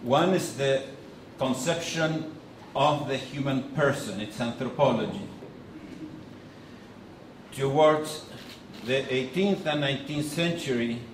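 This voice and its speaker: A middle-aged man from Argentina with an Argentine Spanish accent, giving a conference lecture in a measured way with pauses and restarts. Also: mid-range voice. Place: conference hall. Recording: echoey hall with faint noise.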